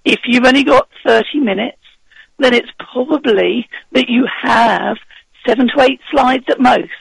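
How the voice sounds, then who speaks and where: A man with a husky voice, worn from speaking the week before, giving confident, instructive advice on presenting as a guest in a radio interview. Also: very high-pitched, a little slow, a bit bright, no echo, rough recording.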